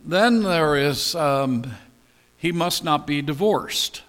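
An older man preaches as a pastor, leading listeners through a Bible passage in a conversational style and answering his own questions. His slightly high, somewhat bright voice goes at a slow pace, with a long hall reverb behind it.

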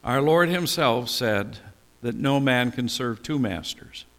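Slow and animated, an older pastor's gravelly, mid-range voice carries a slight brightness as he teaches a Bible passage conversationally. He poses questions and answers them himself, and the recording has a long hall reverb.

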